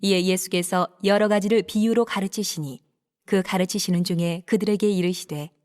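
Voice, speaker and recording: A woman narrating scripture in a steady, even scripted reading. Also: medium pitch, normal speed.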